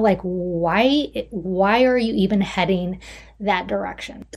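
At a fairly slow pace, a woman speaks in a normal speaking voice at medium pitch. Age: 40s. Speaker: podcast host and author. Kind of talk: solo podcast monologue. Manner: casual, filler-heavy.

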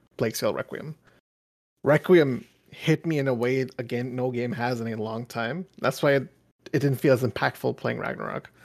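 A man with an ordinary speaking voice, medium pitch and fairly even intonation at a moderate pace, on a very clean recording with a silent background. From Canada. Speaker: gaming podcast co-host. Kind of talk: casual chat.

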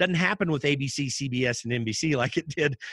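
A man at a fairly high pitch and a moderate pace. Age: 50s. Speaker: political podcast host. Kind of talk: interview. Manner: halting, frequent fillers.

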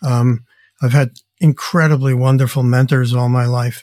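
A man speaks at medium pitch, somewhat breathy, with fairly even intonation and a dry, close sound with no echo. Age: 70s. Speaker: psychologist and author. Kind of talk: casual interview. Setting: video call.

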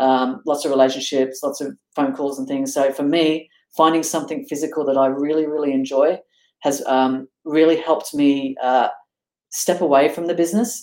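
With an Australian accent, a man speaks at a moderate pace. His pitch is fairly high and his intonation fairly even. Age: 40s. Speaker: design and branding agency owner. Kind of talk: interview.

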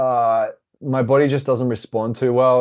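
With an Australian accent, a man speaks at a medium pitch in a monotone, flat intonation. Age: 30s. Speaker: entrepreneur and coach. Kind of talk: interview conversation.

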